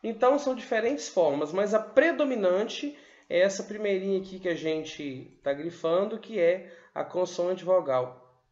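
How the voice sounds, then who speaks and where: A man's voice: high voice, expressive, measured pace, a little mellow, echoey room, highs cut off. A man teacher giving a literacy lesson at a whiteboard, spelling out sounds and syllables one by one. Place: room with a whiteboard.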